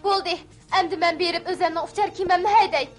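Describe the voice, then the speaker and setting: A woman voicing a lively young cartoon girl, chatty and quick. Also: very high voice, faint music behind. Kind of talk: cartoon dub acting.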